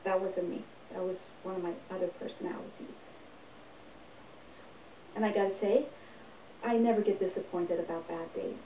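Middle-aged woman talking deadpan to camera, echoey dull sound, bit of noise. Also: mid-range voice, moderate pace, pauses often. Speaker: comedy performer. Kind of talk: tongue-in-cheek monologue to camera. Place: small indoor room, plain wall. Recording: echoey, distant, dull home recording.

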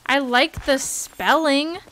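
Bubbly, bright-voiced woman streamer. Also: sits high, fairly even intonation, slow, rough recording. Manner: bubbly, gushing, chatty. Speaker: game streamer. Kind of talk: casual gameplay commentary.

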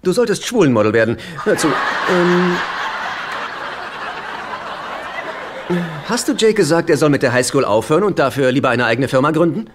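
A man's voice: on the high side, animated, fast, background noise, natural voice. An actor dubbing a fussy, self-important middle-aged man in a German sitcom, pompous and theatrical with hesitations. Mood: dry, puzzled. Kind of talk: German-dubbed sitcom acting.

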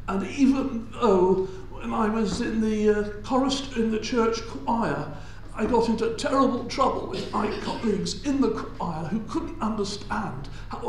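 Older English lecturer, high-pitched, echoey hall. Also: male voice, slight background noise. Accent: southern English. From England. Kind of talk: public science lecture. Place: large indoor lecture hall before an audience.

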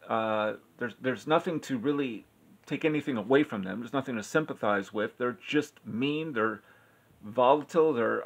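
A man giving a casual spoken film review, rambling and halting, often correcting himself mid-sentence. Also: mid-range voice, gravelly, fairly bright tone. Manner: rambling, halting, with frequent self-corrections and filler.

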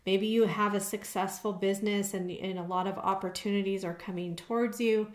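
A woman of middling pitch reads tarot cards for her viewers. She talks casually and keeps checking in with little "okay?" asides. Her voice rings a bit in an echoey room. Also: fairly even intonation, fairly quick. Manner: conversational, frequent "okay?" check-ins. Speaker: tarot reader. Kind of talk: tarot reading to camera.

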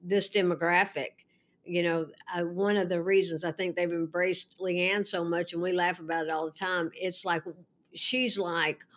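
A woman's voice: lowish voice, flat delivery, moderate pace, fairly bright tone. Reflective woman in her fifties, co-host. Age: 50s. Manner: reflective, with "uh" and "you know" fillers. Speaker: podcast co-host. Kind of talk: casual chat. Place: home room on a video call. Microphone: video call.

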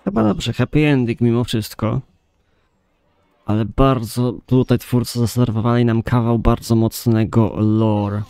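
A man's voice: medium pitch, a little slow, gravelly, mellow, clear, resonant tone, no room sound. A man with a Polish accent giving casual, informal let's play commentary as a gaming video host. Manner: informal, mild swearing.

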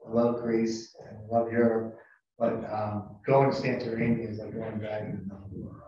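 A man's voice: fairly low pitch, level tone, moderate pace, far from the mic. A man at a town board meeting, chatting and thinking aloud with enthusiasm. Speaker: board member. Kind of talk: casual meeting discussion. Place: town meeting room, large table. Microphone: far room microphone. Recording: echoey meeting room from afar, dull.

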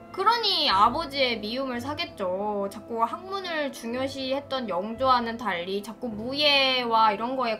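A woman tells a history story in a casual, chatty way and acts out the quoted lines as she goes. Her voice is high and bright, and her pitch swings widely. Soft music plays underneath.

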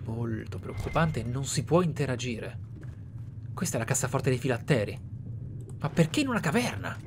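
A man from Italy reading and commenting on a video game in a measured, musing way. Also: medium pitch, big pitch swings, noisy background. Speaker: gameplay streamer. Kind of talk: reading game texts aloud and roleplay commentary.

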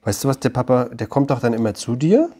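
Husky-voiced male psychologist. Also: medium pitch, big pitch swings, fast. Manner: direct and explanatory, often checks in with "ja?"; gentle, coaxing tone with his son. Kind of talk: advice talk to camera, then chat with his child.

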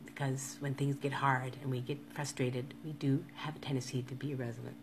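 A woman's voice: very deep voice, flat delivery, brisk, background noise. A woman in her fifties speaking to live-stream viewers in a casual monologue, earnestly repeating encouraging urges. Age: 50s. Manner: earnest, repetitive motivational urging.

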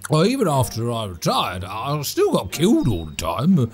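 An actor playing a chatty, cheerful manor servant in an audio drama, with a British accent and a rambling, stammering, chuckling delivery. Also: male voice, medium pitch, huge pitch swings, moderate pace, faint music behind. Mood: rueful, amused. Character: chatty, cheerful, oft-killed manor servant named Todd.

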